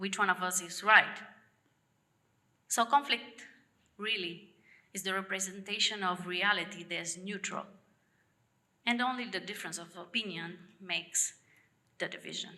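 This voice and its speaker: A woman talks at medium pitch with a bright, sharp tone and fairly even intonation. Her pace is moderate, her loudness swings widely, and her pauses are long and frequent. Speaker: business lawyer and conference speaker. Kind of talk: conference talk. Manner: halting, with fillers.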